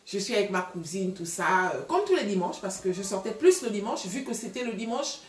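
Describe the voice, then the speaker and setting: Chatty woman in her 30s, middle pitch, recorded in an echoey room. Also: very animated, a little fast. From Gabon. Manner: chatty, many fillers, addresses viewers directly. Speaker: vlogger giving relationship advice. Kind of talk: casual storytelling to viewers.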